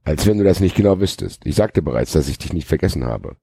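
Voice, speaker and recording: A man's voice: deep voice, expressive, fast talker, warm tone, husky, no room sound, clean studio sound, heavily acted. A man reading aloud and voicing a sarcastic woman teasing her former lover on the phone.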